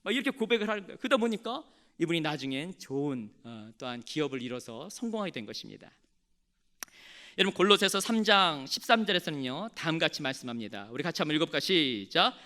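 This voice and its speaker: A man's voice: a little high, big pitch swings, quick pace, sharp tone. A male pastor delivering a sermon, telling stories with animation and calling on the congregation to respond.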